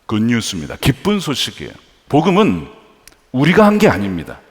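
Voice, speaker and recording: A man's voice: mid-range voice, huge pitch swings, a little fast. A male pastor preaching a sermon with emphasis, posing questions to the congregation in a large church. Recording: long church-hall reverb.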